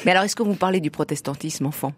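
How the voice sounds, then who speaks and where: A woman's voice: low-pitched, rapid-fire, no echo. A woman hosting an interview, asking the guest conversational questions and prompting him along. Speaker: interviewer host.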